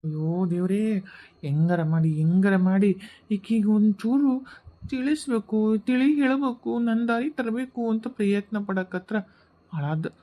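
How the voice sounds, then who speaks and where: Sly grumbling female ghost, North Karnataka Kannada accent, mid pitch, voiced by a woman. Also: expressive, moderate pace, dark tone, close to an everyday voice. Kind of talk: cartoon voice acting.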